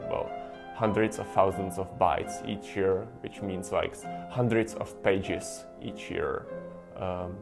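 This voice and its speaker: A young man speaks in a very low, gravelly voice. He answers hesitantly with many fillers, clipped to a lapel mic in a library room. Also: steady tone, takes it slowly. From Czech Republic. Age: young adult. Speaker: interviewee. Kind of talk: interview answer. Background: guitar music.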